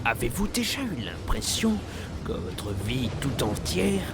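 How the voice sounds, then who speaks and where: A deranged clown villain from a video game. The delivery is theatrical and slow, swinging widely in pitch between menace and wistfulness. A creaky edge runs through the voice, with music playing behind it. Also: male voice, huge pitch swings. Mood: sly reverie. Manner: theatrical monologue, breaking into cackles. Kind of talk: French fan dub of a video game scene.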